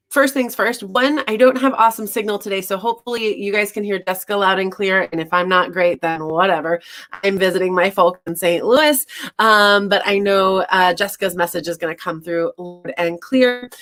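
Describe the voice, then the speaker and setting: Upbeat young woman host, casual and effusive, mid-pitched, weak signal. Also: a bit bright. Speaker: podcast host. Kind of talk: casual livestream interview. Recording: weak connection.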